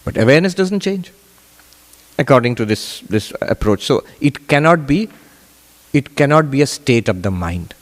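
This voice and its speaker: A man teaching as a Hindu monk, answering questions in a deliberate, emphatic way with repeated phrases. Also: medium pitch, sing-song. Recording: echoey hall with long reverb.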